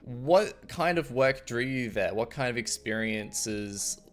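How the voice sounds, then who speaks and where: A man's voice: medium pitch, expressive, slow pace. A man hosting an interview show, reading a scripted intro and then asking loose, friendly questions. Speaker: show host.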